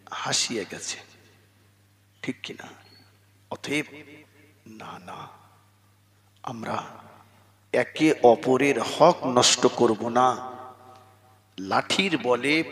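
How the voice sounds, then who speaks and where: A man's voice: medium pitch, a bit bright. A man preaching a sung Bengali waz sermon, chanting in a melodic wailing tune. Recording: roomy hall echo with faint music.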